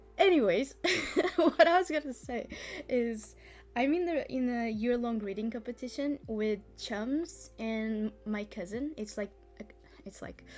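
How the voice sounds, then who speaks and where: A fairly high female voice in a non-native accent with lively intonation. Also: fairly slow pace. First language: not English. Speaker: book youtuber and streamer. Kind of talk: casual livestream chat. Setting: livestream. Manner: hesitant, many fillers and restarts.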